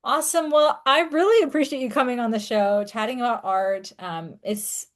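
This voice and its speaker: A woman's voice: fairly high pitch, moderate pace. A woman hosting a podcast in a casual interview chat, speaking informally with lots of "like". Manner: informal, peppered with "like". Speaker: podcast host.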